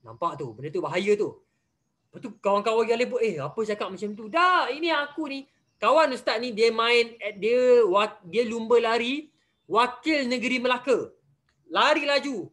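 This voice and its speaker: A man's voice: extremely high pitch, lively intonation, moderate pace, fairly bright tone. A young man with a Malaysian Malay accent, a religious teacher telling a story to his pupils in an online class and quizzing them as he goes. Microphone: video call.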